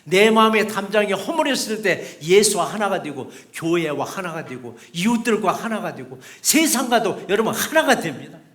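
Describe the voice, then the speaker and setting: A man's voice: sits high, very animated, moderate pace, few pauses, a bit bright. A middle-aged male pastor preaching a sermon, emphatic and repetitive, acting out short quoted voices.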